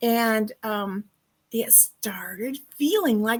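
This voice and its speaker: This woman's voice sits at a fairly high pitch and sounds somewhat breathy. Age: 70s. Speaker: retirement coach. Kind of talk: podcast interview.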